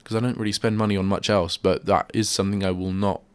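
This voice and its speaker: A man's voice: lowish voice, level tone, fast talker, smooth, no echo. A male radio host with a stuffy head cold, chatting in a rambling, self-deprecating way at a studio microphone. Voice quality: bunged-up, nasal. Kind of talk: casual solo radio chat.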